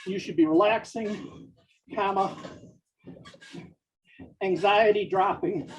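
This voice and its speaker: A writer dictating a story aloud in a slow, deliberate way, pausing between phrases and speaking every punctuation mark. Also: mid-range voice, steady tone. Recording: dull, distant mic.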